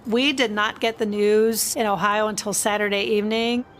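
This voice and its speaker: A woman's voice: medium pitch, steady tone, normal speed. A woman recounting events in a documentary interview as the bereaved sister of a victim. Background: music.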